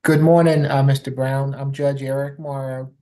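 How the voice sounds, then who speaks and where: A man's voice: mid-range voice, flat delivery, moderate pace, warm tone. A man speaking as a judge, putting formal plea questions in a polite, procedural courtroom manner.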